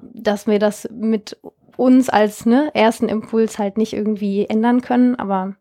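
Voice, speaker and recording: A woman's voice: medium pitch, steady tone, a little slow, warm tone. A young woman from Germany, founder of a jewelry company, answering interview questions in a chatty way with many fillers and restarts. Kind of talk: casual interview.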